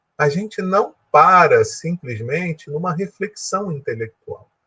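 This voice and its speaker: A man is talking. His pace is very slow. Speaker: spiritist lecturer. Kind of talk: religious lecture.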